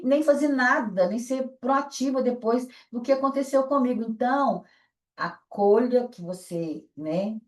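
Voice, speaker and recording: A woman with a Brazilian Portuguese accent teaching an online course, asking and answering her own questions. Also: fairly high pitch. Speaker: instructor. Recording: echoey room, voice from a distance.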